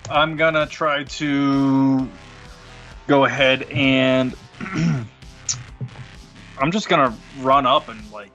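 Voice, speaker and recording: A man playing a tabletop game, talking casually and haltingly as he thinks aloud. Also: medium pitch, sharp tone, dull audio, faint music behind.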